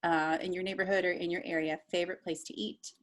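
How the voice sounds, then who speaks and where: A woman's voice: on the low side, flat delivery, quick pace. A woman hosting a casual interview panel from Pittsburgh, upbeat and chatty. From Pittsburgh area. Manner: upbeat, chatty, laughs often. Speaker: podcast host.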